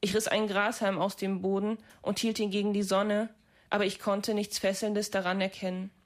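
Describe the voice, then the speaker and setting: A woman reading a literary story aloud, measured and restrained. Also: mid-range voice, little pitch movement.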